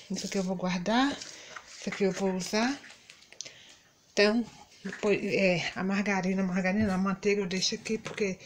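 A middle-aged Brazilian woman talks chattily to the viewers of her home vlog, filmed on a handheld phone in her kitchen. Her voice sits at an ordinary middle pitch. Loud clattering of dishes and pans runs under her speech. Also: background noise. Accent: Brazilian Portuguese. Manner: chatty, addresses viewers as "gente". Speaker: vlogger. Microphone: handheld phone camera.

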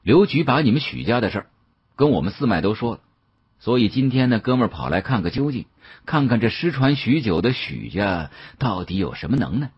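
A man doing a cocky, husky young antiques heir. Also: fairly low pitch, sing-song, a little fast, no room sound, muffled recording, full character voice. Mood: brash, dismissive. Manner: brash, slangy, dismissive.

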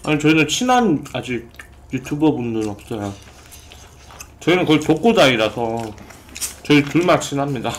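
A man's voice: a little high, sing-song, moderate pace, long pauses, a little hiss or hum. Young man politely answering stream viewers. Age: young adult. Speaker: mukbang streamer. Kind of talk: casual chat, reading viewer donations. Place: small room indoors at a food-covered table.

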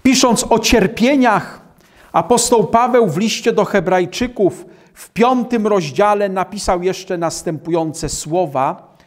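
An older man in his sixties, standing at a lectern in a small hall, preaching a Bible sermon and reading scripture aloud in a measured, emphatic way. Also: high voice. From Poland. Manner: measured, emphatic preaching, slowing on key phrases. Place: small hall with world maps behind a lectern.

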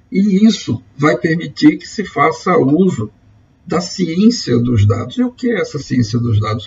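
A man's voice: medium pitch, darkish tone. A man giving a lecture over slides, explaining step by step and often restarting words. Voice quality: husky, gravelly. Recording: dull lo-fi recording.

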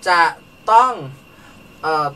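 A man with a bright, forward voice tells a story in an easygoing, conversational way, often pausing on fillers. He sounds a little off-mic, with a faint hiss under the recording. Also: recorded from a distance. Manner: chatty storyteller with frequent hesitation fillers. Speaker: car show host. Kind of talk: conversational recap on a talk show.

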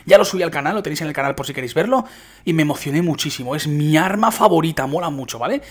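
A young man with a Spain Spanish accent giving excited, chatty commentary over a shooter game he is playing, talking straight to his viewers. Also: a little high, rapid-fire. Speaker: gaming youtuber. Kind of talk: casual gameplay commentary.

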